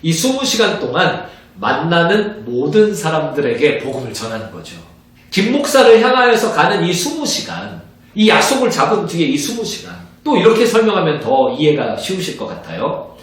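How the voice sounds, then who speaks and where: A man, a pastor, giving an evangelism training lecture in an animated way, acting out little conversations as he teaches. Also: a little high, moderate pace. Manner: animated, acts out little dialogues in different voices. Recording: very echoey room, distant mic.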